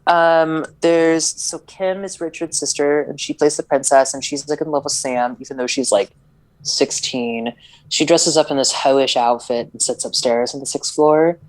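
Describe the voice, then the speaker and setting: A woman with a notably deep, low voice chatting loosely on a podcast as she recaps a film. She rambles along with constant "like" fillers, tripping over tricky words and chuckling now and then. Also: fairly even intonation, moderate pace, poor audio. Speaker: podcast co-host. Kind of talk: casual movie recap chat.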